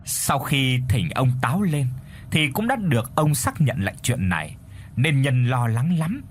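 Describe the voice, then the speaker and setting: A man narrating a folk tale in an expressive storytelling style. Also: mid-range voice, a little slow, a little hiss or hum. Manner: expressive, dramatic.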